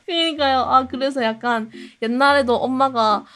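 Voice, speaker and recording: A young woman streamer chatting casually and telling animated childhood stories with lots of laughter. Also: sits high, moderate pace. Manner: animated storytelling with frequent laughs and acted-out shouts. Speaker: streamer reacting to videos and reading chat.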